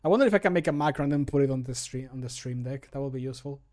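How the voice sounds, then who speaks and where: A man's voice: mid-range voice, very fast, mellow. A man in his thirties chatting casually on a livestream, jokey and amused at himself as he thinks aloud. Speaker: streamer and modder recording voice lines. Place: small home room, indoors.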